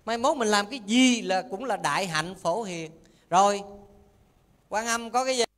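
A Buddhist monk giving a sermon in a temple hall, asking the audience lively teasing questions. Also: male voice, high-pitched, moderate pace.

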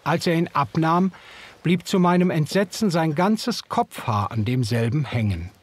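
A man narrating a radio drama in the first person, in a measured, old-fashioned storytelling manner. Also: fairly high pitch, expressive, very noisy. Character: young German man recalling the past. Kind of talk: scripted audiobook narration.

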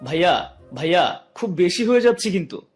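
A man's voice: high-pitched, very animated, a little fast, faint music behind. Exasperated young groom, voiced by a man. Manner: defensive, exasperated. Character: embarrassed irritated young groom.

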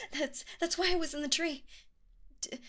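A woman's voice: sits high, a bit bright. Stammering, clingy yandere girlfriend. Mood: stammering sweet.

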